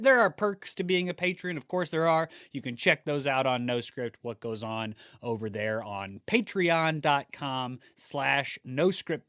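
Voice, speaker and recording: A man's voice: mid-range voice, a bit bright, no echo, clean studio sound. A man from the United States co-hosting a podcast, chatting casually with rambling restarts. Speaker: podcast co-host. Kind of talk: casual podcast chat and sponsor plug.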